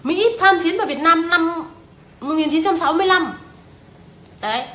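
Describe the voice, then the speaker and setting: A woman's voice: very high-pitched, normal speed, bright, forceful tone. A young woman, ranting scornfully and swearing often as a vlogger. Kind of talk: profane ranting commentary. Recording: echoey room.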